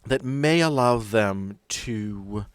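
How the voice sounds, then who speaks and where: A man's voice: on the low side, slow pace, clean tone, no echo. A man voicing a businesslike, wry woman making deals over the phone in a tabletop roleplay, in a matter-of-fact, slightly hesitant manner.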